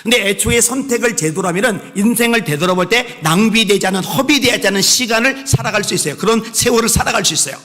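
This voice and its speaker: A pastor preaching a sermon in a church. He drives his points hard, switching between shouted exhortations and quiet asides, and has the congregation repeat phrases after him. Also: high voice, fast talker, hardly any pauses, soft background music. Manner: leads the congregation in call-and-response repetition. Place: church sanctuary. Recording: long reverb of a church hall.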